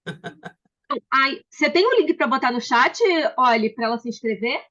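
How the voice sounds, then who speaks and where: Brazilian lady w rio hosting a book club call, kinda high voice, bit muffled audio. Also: normal speed. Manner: chatty, warm welcomes, frequent restarts. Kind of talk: casual video call chat. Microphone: video call. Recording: slightly dull video call audio.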